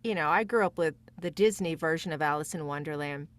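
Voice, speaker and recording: A woman guest voice actress telling stories casually, in a chatty, giggly, rambling and animated way. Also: sits low, a little fast.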